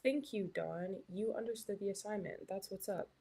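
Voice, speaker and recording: A woman's voice: medium pitch, normal speed, gravelly, mellow, husky. A young woman from Canada, chatting casually as a live stream host while reading her chat, with lots of "like" and "um". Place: hotel room.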